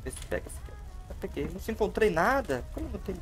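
A man's voice: high-pitched, sing-song, quick pace, music in the background. A man with a Brazilian Portuguese accent, giving playful, joking gameplay commentary on a livestream and talking to his chat. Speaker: game streamer.

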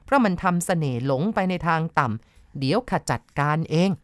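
A woman's voice: low-pitched, expressive, fairly quick, dry recording, studio quality. A woman voicing a stern old woman exorcist who gives harsh, commanding orders. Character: stern old female village exorcist, forceful.

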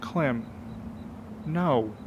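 A man's voice: medium pitch, lively intonation, drawn-out words, lo-fi sound, background noise. A man playing a loyal, eager, joking friend in an audio drama. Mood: urgent, dismayed.

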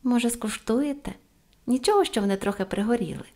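A woman's voice: on the high side, animated, normal speed, close to an everyday voice. A woman voicing a cheerful, cheeky little girl in an audiobook, with playful, exclaiming lines. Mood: friendly. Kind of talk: audiobook character voice.

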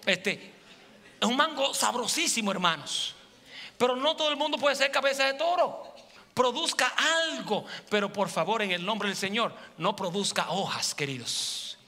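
A pastor in his forties with a Dominican accent, preaching a sermon and moving between loud appeals and quiet asides. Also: high-pitched, animated, moderate pace. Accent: Dominican Spanish. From Dominican Republic. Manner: preaching with sweeping gestures, voice swinging from loud to soft. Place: large church sanctuary with red seating. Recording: church hall reverb, faint music.

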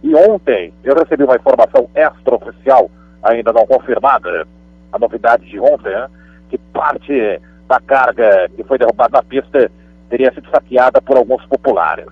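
A man's voice: mid-range voice, moderate pace, slightly rough, no room sound. A male reporter with a Brazilian Portuguese accent reads a radio police bulletin in a chatty way, throwing in emphatic asides as he goes. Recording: dry, phone-like radio line.

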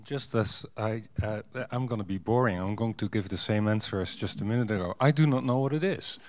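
A middle-aged man who isn't a native English speaker talks as a panelist on a conference stage, using many fillers and restarts as he speaks into a handheld mic. His voice is lowish, a little mellow, and fairly quick.

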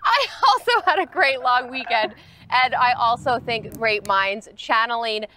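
A woman's voice: on the high side, lively intonation, a little slow, pushed and bright, a little hiss or hum. A woman meteorologist bantering on TV news, easygoing and a little hesitant.

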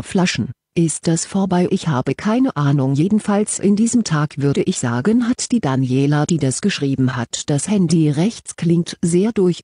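Synthetic woman's voice, mellow, dry sound, voice-assistant read-out. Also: deep voice, husky, dry recording. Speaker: text-to-speech voice assistant.

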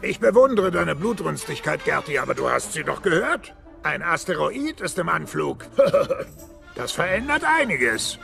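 Raspy high sneaky dino-bird villain, gloats a lot, audio drama. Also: male voice, sing-song, a little slow, music in the background, heavily acted. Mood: scheming. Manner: sly, menacing, gloating. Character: scheming bird-dinosaur father, villainous.

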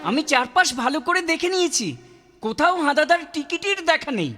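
A man voicing a small, admiring cartoon schoolboy sidekick who speaks in an eager, flattering way. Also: very high voice, brisk, exaggerated voice. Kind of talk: children's cartoon dubbing. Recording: long reverb, music behind.

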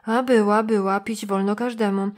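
A woman's voice: medium pitch, steady tone, moderate pace, natural voice. A woman voicing a nosy, suspicious middle-aged male motel receptionist who lectures and gossips.

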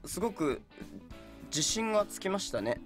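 A man's voice: sits high, sing-song, normal speed, soft background music. A man chatting casually as a guest in a radio studio. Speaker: radio show guest, stage actor. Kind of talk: casual chat. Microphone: studio boom microphone.

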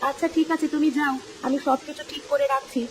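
A man voicing a caring, worried village wife in a cartoon, with a high, urgent voice. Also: little pitch movement, quick pace, slight background noise. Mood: anxious. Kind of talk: cartoon voice acting.

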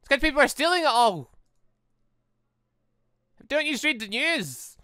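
Bright, animated gaming host. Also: high voice, a little slow, no room sound, clean studio sound. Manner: exclamatory, playful asides. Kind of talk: let's-play commentary, reading visual novel dialogue aloud.

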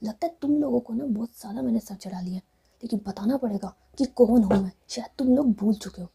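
Woman doing a short-fused young woman, scolding, breathy, dark-toned, storybook. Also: fairly high pitch, a little fast, exaggerated voice. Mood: furious. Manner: sharp, scolding outbursts. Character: hot-tempered young woman, quick to anger.

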